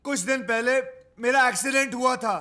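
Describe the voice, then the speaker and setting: A man's voice: very high-pitched, fairly even intonation, a little fast, bright, forceful tone. An actor playing a frantic young man who keeps hearing chants, pleading with a doctor in mixed Hindi and English. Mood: desperate. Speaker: film actor who hears mantras.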